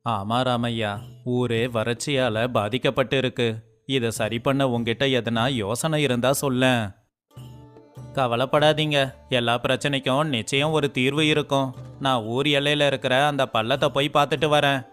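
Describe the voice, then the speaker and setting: A man's voice: mid-range voice, steady tone, normal speed, fairly bright tone, clean tone. A man voicing several village men in turn in a storybook dialogue. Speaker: voice actor for story characters. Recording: faint music behind.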